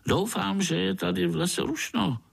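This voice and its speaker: A man's voice: high voice, gravelly, slightly rough, voice pushed up, full character voice. A man voicing a boastful, bloodthirsty, jovial male mosquito with a Slovak accent, who keeps calling the listener sonny. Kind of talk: storybook reading.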